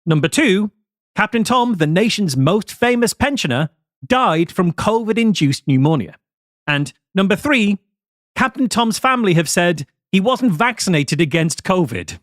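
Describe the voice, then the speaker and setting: A man's voice: sits high, very animated, measured pace, fairly bright tone, dry recording. A man co-hosting a podcast who tells a researched story in a dry, wry way. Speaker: podcast co-host. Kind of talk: scripted storytelling in podcast chat.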